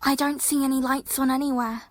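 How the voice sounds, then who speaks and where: Woman acting an anxious, high-voiced heist partner. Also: little pitch movement, fairly quick, dry recording, clean studio sound, lightly acted. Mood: wary, dry. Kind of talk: audio drama acting.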